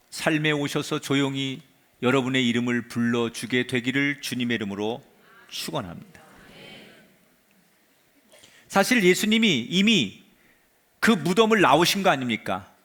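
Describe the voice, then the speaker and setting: A man, a pastor, preaching a sermon and retelling a story with drama, his voice sinking to a hush at the end of phrases. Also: fairly high pitch. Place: church sanctuary.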